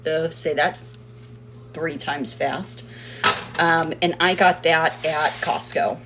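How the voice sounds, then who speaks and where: A woman's voice: sits low, steady tone, slow pace, noisy background. A woman hosting a casual home cooking video, chatty and rambling, with playful sing-song nonsense rhymes. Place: home kitchen.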